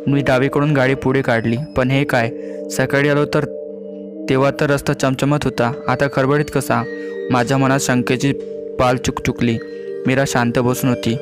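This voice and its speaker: Steady male horror storyteller over faint music. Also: mid-range voice. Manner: even, steady storytelling delivery. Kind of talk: scripted horror story narration.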